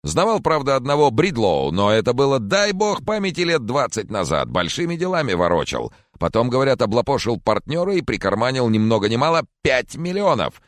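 A man voicing a grieving, drunk older man who wails and pleads in a high, drawn-out voice. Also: very animated, no room sound, studio quality, lightly acted. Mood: effusive.

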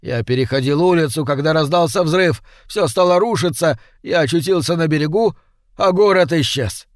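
Guy doing a scared lost soldier voice, higher, louder, all worked up. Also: normal speed, no room sound, clean studio sound, natural voice. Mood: frightened. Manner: agitated, pleading, confused. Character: frightened lost modern male soldier.

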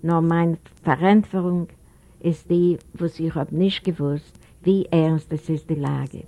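A guilt-ridden old widower speaks his sorrow in a storybook reading, as a woman reader puts him on. His voice sits low and mellow, and the words come as a remorseful plea. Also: steady tone, slow pace, highs cut off. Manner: remorseful, pleading. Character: grieving elderly widowed father, guilt-ridden. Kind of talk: audiobook character voice.

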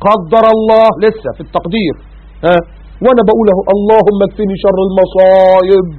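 A man with an Egyptian Arabic accent giving a colloquial religious lesson, animated and full of rhetorical questions. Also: high-pitched, quick pace. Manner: animated, acts out everyday voices and rhetorical questions. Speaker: preacher. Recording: phone-like narrow audio.

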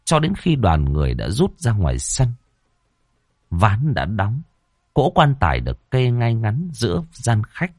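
A man's voice: lowish voice, a little mellow, no room sound, studio quality. A man narrating an audiobook story with dramatic pacing.

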